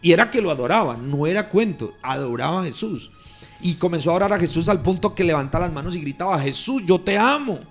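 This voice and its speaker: A man, a pastor giving a fervent testimony in a radio interview, often growing loud. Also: a little high, expressive, fast talker, faint music behind. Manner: emphatic, grows loud when retelling. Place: radio studio.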